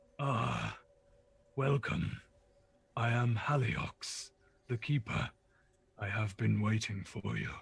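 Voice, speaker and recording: A put-on character voice from a man at medium pitch, fairly slow, with long, frequent pauses. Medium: actual play. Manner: solemn, formal.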